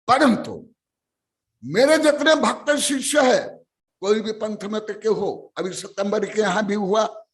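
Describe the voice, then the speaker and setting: Emphatic high-voiced preaching man, slow. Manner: emphatic, lecturing, scolding his listeners. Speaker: Jain monk giving a scripture lecture. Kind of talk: sermon.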